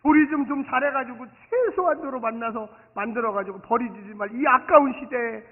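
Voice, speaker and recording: A man preaching a Sunday sermon as pastor, animated, swinging from soft asides to loud exclamations and leading the congregation to repeat after him. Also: very high voice, fairly quick. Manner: acts out dialogue and leads the congregation in call-and-response. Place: church sanctuary. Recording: reverberant hall, thin phone-like sound.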